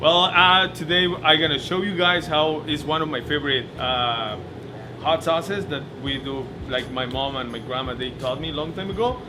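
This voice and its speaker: Over noticeable background noise and audible room echo, a man with a Mexican accent speaks at a moderate pace, fairly high in pitch with ordinary pitch variation. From Mexico, near Mexico City. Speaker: restaurant owner. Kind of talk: casual interview.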